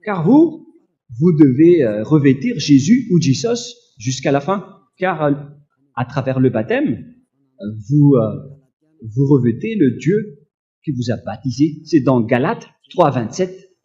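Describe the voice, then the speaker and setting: In a dull, lo-fi recording, a man preaches a teaching sermon slowly and emphatically, his dark, mellow voice rising and falling widely in a sing-song way. He pauses hesitantly at times and has a slight cough.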